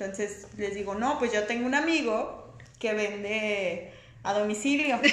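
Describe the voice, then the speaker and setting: A woman with a Mexican accent, fairly high in pitch and fairly slow, with audible room echo and noticeable background noise. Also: ordinary pitch variation. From Mexico, Aguascalientes. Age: 30s. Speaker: podcast co-host. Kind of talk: casual chat.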